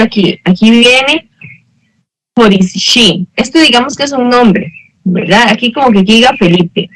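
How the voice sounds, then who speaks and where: A woman's voice: on the high side, a bit bright, no echo, poor audio. A woman teaching an English lesson online, explaining patiently, checking in with her students and correcting herself as she goes. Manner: corrects herself mid-sentence.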